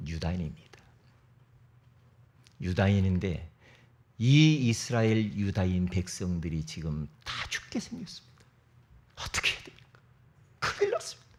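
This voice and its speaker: A man voicing a humble young queen who pleads in a low, subdued way. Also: sing-song, normal speed, long pauses. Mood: pleading.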